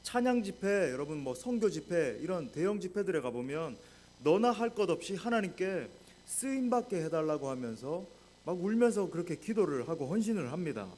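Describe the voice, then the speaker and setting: A man's voice: high voice, warm tone. A man who is a senior pastor, preaching a sermon in a church, often speaking to the congregation directly and asking rhetorical questions.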